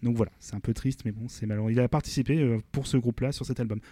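A man's voice: medium pitch, steady tone, very fast, mellow, dry recording, studio quality. A man hosting a casual music show, rambling with lots of fillers and frequent laughs. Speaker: show host presenting bands. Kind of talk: casual radio-style music chat.

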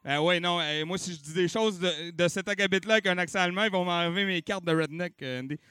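A man's voice: sits high, fast, clean tone, no echo. A young Québécois man hosting a comedy-night auction, bellowing bids and cracking jokes between them. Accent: Québécois French. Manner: bouncy and animated, bellowing bids, jokey asides. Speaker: auctioneer and comedy show host.

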